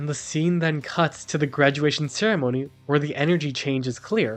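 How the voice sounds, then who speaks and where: A man with a fairly high voice speaks at a moderate pace and ordinary pitch variation while music plays in the background. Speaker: video essayist. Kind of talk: video essay narration.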